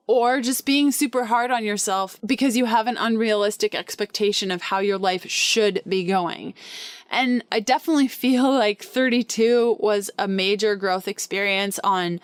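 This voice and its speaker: A woman's voice: medium pitch, clean tone, no echo, clean studio sound. A woman in her thirties hosting her own podcast, talking candidly in a casual, chatty way with fillers like "kinda" and "like". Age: 30s. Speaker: podcast host. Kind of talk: casual solo podcast monologue.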